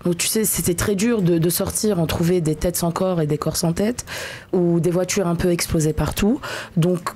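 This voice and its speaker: A woman's voice: on the low side, moderate pace, warm tone, a little hiss or hum. A woman radio host who grew up in Algeria, asking earnest interview questions and reading out listener messages. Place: radio studio.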